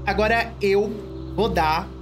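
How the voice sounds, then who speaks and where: A woman's voice: mid-range voice, slow pace. A thirty-year-old woman with a Brazilian accent, commenting on a game to her live chat in a reflective, emphatic way. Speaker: game streamer. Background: game music.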